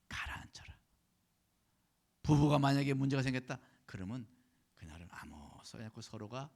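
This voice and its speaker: A male pastor delivering a Sunday sermon at a church service, dropping to hushed whispers and rising to loud, emphatic declarations while prompting the congregation for responses. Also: on the low side, gravelly.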